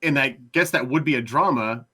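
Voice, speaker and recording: Bright-voiced man talking casually, repeating himself. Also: mid-range voice, normal speed, breathy edge. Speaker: panelist on a podcast discussion show. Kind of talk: casual panel discussion.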